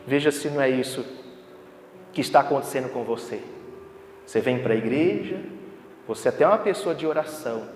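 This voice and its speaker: A man's voice: mid-range voice, a little fast, long pauses, a little hiss or hum. A man preaching a sermon in a church, emphatic and full of rhetorical questions to the congregation. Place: church hall. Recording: echoey hall with background ambience.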